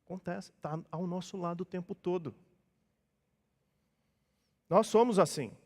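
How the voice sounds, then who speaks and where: Brazilian pastor preaching in a reverberant church. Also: male voice, high-pitched, measured pace, a little mellow. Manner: conversational preaching, acts out dialogues in changed voices. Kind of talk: sermon. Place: church hall.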